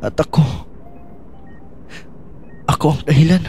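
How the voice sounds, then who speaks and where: A man acting a troubled character haunted by guilty memories in a Filipino audio drama, speaking in halting, brooding phrases. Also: dark tone, soft background music, close to an everyday voice. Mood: guilty, confessing.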